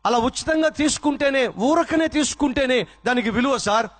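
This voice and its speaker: A man's voice: very high-pitched, moderate pace, voice pushed up. A man voicing a humble grieving male servant who keeps begging his master and repeating "sir". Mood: pleading.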